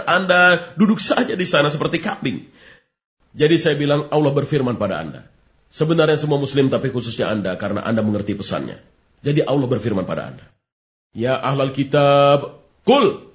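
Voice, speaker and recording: A man dubbing a religious debate lecture, preaching emphatically and reciting scripture slowly. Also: a little high, lightly acted. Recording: dull lo-fi recording.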